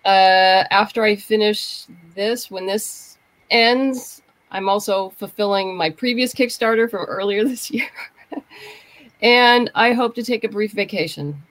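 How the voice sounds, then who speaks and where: Woman podcast guest, middle pitch, casual chat about her creative work. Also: unhurried, fairly bright tone. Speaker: podcast guest, comics and audio drama creator.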